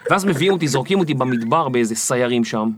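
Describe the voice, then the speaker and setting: A man guest on an interview podcast, telling stories in a lively way and acting out the people in them. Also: medium pitch. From Israel. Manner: animated, acts out the people in his stories. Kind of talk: storytelling interview.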